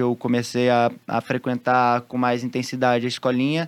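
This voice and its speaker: A man talks at a moderate pace and a medium pitch. The recording is very clean, with a silent background and a dry, close sound with no echo. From Brazil, Espírito Santo (moved from Rio de Janeiro at eight). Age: 20s. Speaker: professional surfer. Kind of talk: casual interview.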